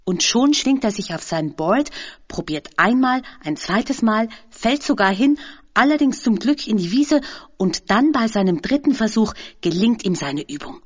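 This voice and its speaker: A woman reading a children's story aloud as narrator, in a calm storytelling manner. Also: mid-range voice, moderate pace, slightly rough, muffled recording.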